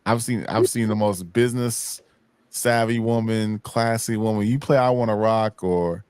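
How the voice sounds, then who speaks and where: A man hosting a casual hip hop talk show, rambling in a relaxed way and often repeating himself. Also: on the low side, normal speed, clean tone, no room sound. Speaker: podcast host. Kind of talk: casual chat.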